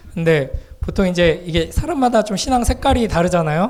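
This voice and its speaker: The man's voice is high-pitched, with lively intonation. Background noise is noticeable. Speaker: youth pastor. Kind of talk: sermon. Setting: church.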